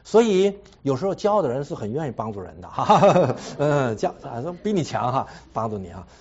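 A Christian speaker gives a self-mocking personal testimony to a congregation in a husky, mid-range voice that swoops lively and moves fairly quickly. He tells his story animatedly, repeating phrases, tagging on a habitual trailing "ha", and laughing at himself between points. The recording is dull and lo-fi.

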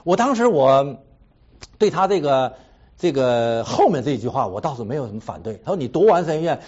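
A man's voice: medium pitch, fairly quick, dull audio. A man giving a personal testimony to a congregation, repeating phrases, tacking a casual "ha" onto his sentences and laughing at himself between points. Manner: animated storytelling with repeated phrases and a habitual trailing "ha".

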